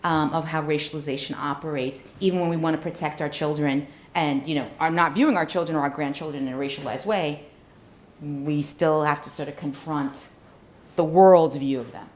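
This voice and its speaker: A woman professor answering questions after an academic talk in an analytical, measured manner. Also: low voice, fairly even intonation, darkish tone. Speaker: law professor giving a book talk and taking questions.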